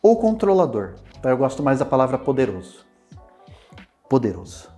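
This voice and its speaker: A man with a Brazilian Portuguese accent, explaining personality types in an expressive talk, acting out everyday examples as he goes. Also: moderate pace, faint music behind. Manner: expressive, swings pitch widely, acts out examples. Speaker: enneagram teacher.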